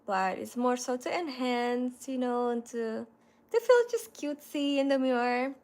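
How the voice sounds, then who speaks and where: A woman in her thirties chatting casually with viewers in a relaxed, talkative way, often saying "you know" and "like". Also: on the high side, unhurried. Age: 30s. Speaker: content creator. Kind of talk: casual livestream chat answering viewers.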